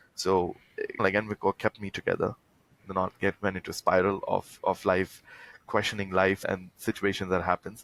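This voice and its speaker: Speech comes at a moderate pace with an Indian accent and a monotone, flat intonation. The sound is dry and close, with no echo. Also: man, fairly low pitch for a man. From India, Bihar (Patna). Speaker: tech startup co-founder. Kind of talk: podcast interview.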